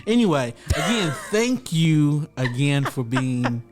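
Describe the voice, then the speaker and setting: A young adult man hosting a podcast in a casual, polite and measured way. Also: on the high side, sing-song, over music. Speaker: podcast host. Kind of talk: casual chat and podcast sign-off.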